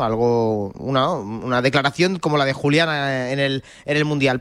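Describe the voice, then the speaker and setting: A man discussing football spontaneously as a pundit, explaining things haltingly and repeating words as he goes. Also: a little high, a bit bright, dry recording. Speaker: sports pundit.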